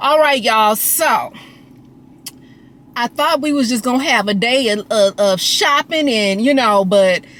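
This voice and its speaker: Noticeable background noise accompanies a woman speaking slowly-ish at a high pitch in an animated tone. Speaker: vlogger. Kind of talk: casual vlog talk. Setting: store with intercom announcements.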